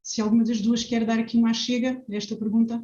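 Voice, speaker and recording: A woman moderates a webinar over a video call, reading audience comments aloud and restarting her phrases now and then. Her voice sits fairly high and has a mellow tone. The call audio is roomy and a little dull. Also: level tone, quick pace.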